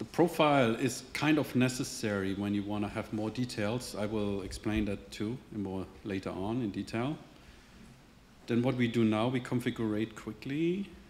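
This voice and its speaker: Moderate-paced male speech in a German accent, with ordinary pitch variation over light background noise. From Germany. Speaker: indie iOS developer. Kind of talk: tech talk with live demo; Q&A answers. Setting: meetup stage with audience. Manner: halting. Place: meeting room.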